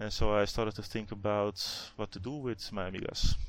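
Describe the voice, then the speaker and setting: Here is a man with an ordinary speaking voice. He talks at a moderate pace. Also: very clean recording, silent background. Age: 40s. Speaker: hardware hobbyist developer. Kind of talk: interview.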